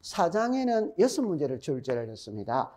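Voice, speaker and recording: A man's voice: fairly high pitch, very animated, brisk, a little mellow. Middle-aged man lecturing with Gyeongsang accent. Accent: Gyeongsang Korean. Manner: chatty, repeats key points, quizzes students. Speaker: exam-prep instructor. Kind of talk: recorded classroom lecture.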